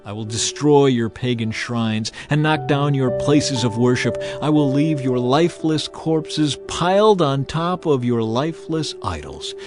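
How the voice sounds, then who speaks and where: A man's voice: medium pitch, expressive, unhurried, few pauses, natural voice. Man voicing a solemn, commanding God over music. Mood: stern, threatening. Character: God of the Bible, stern, authoritative male lawgiver. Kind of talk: dramatized scripture reading.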